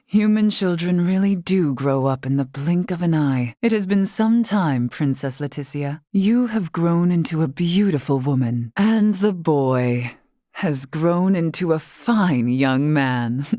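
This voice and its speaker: Low-voiced, stately tribal leader. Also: female voice, warm tone, no room sound, studio quality. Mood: composed, welcoming. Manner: formal, archaic, measured, stately diction. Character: dignified older woman, wise tribal leader and warrior. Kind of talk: scripted video game voice acting.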